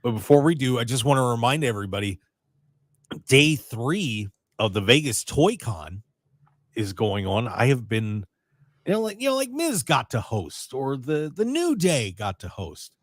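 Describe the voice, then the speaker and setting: A man hosting a radio show in casual, rambling chat, his voice a little raspy and strained. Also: mid-range voice, normal speed, dry recording, clean studio sound. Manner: chatty, excitable, rambling. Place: radio studio.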